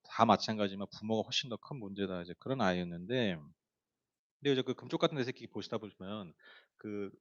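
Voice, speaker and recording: A man delivers a sermon in a relaxed, storytelling manner, filling his sentences with small hesitations and turning often to address his listeners. His voice sits on the low side. The recording sounds dull and lo-fi. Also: fast. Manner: conversational storytelling, many fillers, addresses the congregation. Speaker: pastor.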